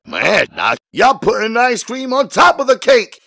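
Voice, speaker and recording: A deep-voiced man voicing a brash young male robber who talks in loud, excited slang. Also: measured pace, dry recording, studio quality, full character voice.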